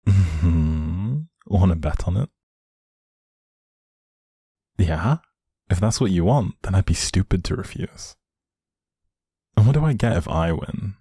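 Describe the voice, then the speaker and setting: Guy playing a sweet teasy boyfriend, really low n gravelly, soft intimate roleplay audio. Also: animated, takes it slowly, long pauses, dry recording, clean studio sound, exaggerated voice. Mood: playfully competitive. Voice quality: low, soft, husky, creaky. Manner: affectionate, gently teasing. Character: doting, playfully teasing young adult boyfriend.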